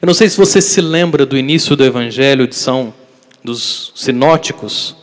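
A man preaching a daily catechesis sermon as a priest, emphatic and putting rhetorical questions to his listeners, his voice swinging between loud and soft for emphasis. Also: mid-range voice, normal speed. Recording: long reverb of a large hall.

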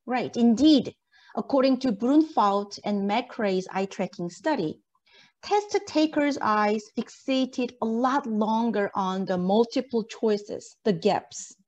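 A woman's voice: on the high side, darkish tone, lo-fi sound. A middle-aged woman giving an interactive online lecture, encouraging her students and often checking that they follow. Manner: encouraging, checks understanding often with short tag questions. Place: indoors, on a video call.

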